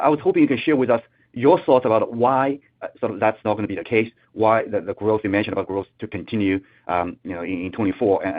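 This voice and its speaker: A man's voice: fairly low pitch, dry recording. A man asking questions as an analyst on an earnings call, polite and rambling, repeating words. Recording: narrow dry telephone line.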